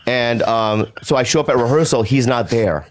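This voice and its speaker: A man hosting a podcast, telling a story in casual chat, animated and profane, laughing often. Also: medium pitch, normal speed, a little hiss or hum.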